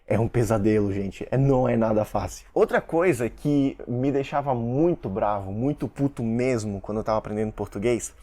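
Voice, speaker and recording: A man's voice: medium pitch, normal speed, few pauses, mellow. A man from Russia, a Russian teacher and content creator with Russian as his first language, talking casually to camera and explaining with examples and asides to viewers.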